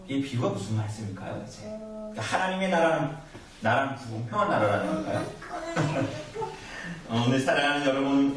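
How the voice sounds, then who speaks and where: A male pastor preaches in a lively, sing-song way, his fairly high voice rising and falling as he quizzes the congregation. The mic is set back from him, and a heavy church echo hangs on every word. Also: far from the mic. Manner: conversational preaching, asks the congregation questions. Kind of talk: sermon. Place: church sanctuary. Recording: echoey church recorded from afar.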